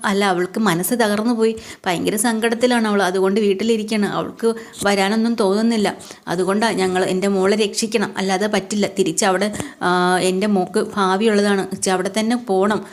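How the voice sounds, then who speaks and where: A woman's voice: mid-range voice, steady tone, a little fast, natural voice. Woman voicing a scheming, pushy mother. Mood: pleading. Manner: pushy and dramatic, wailing in fake distress. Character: scheming middle-aged mother, bold and manipulative.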